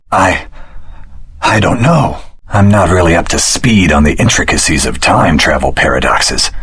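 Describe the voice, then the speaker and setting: Earnest low-voiced game swordsman hero. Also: fairly bright tone, husky, heavily acted. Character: earnest heroic swordsman, honorable action-game protagonist. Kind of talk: scripted video game voice acting.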